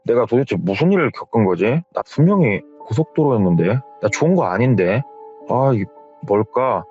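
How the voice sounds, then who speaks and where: A man's voice: mid-range voice, lively intonation, moderate pace, husky, narrow, tinny audio, soft background music. A man voicing a bewildered, timid young employee who answers hesitantly. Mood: puzzled. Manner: hesitant, flustered replies.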